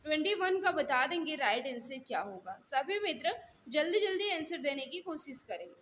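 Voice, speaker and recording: High, bright-voiced woman teaching. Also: animated, normal speed, slight background noise. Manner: instructional, repeats questions and set phrases. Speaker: teacher of an online exam-prep class. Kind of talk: live mock-test lesson, questions and answers.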